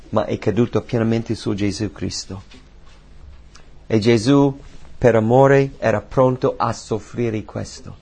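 A man preaching a sermon, emphatic and repeating key phrases, swinging between soft lines and loud ones. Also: mid-range voice.

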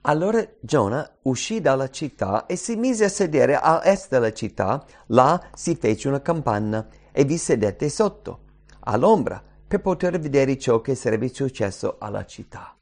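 A man's voice: medium pitch, very animated, unhurried, a little mellow. A man preaching a sermon, reading scripture aloud and repeating key phrases with earnest emphasis.

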